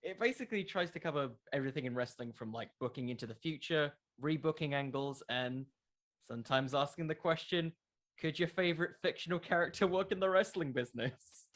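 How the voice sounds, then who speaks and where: A man's voice: a little high, a little fast, fairly bright tone. A man chatting casually as the guest in an interview. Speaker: podcast creator being interviewed.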